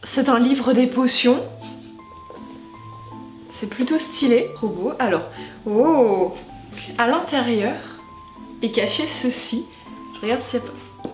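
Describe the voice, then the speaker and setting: A woman vlogger talks through her unboxing with chatty enthusiasm. Her voice sits high, and the room around her rings with a noticeable echo. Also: expressive, slow, pauses often, faint music behind. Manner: chatty, enthusiastic, reads a letter aloud. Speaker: youtuber. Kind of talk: casual vlog unboxing. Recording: roomy echo.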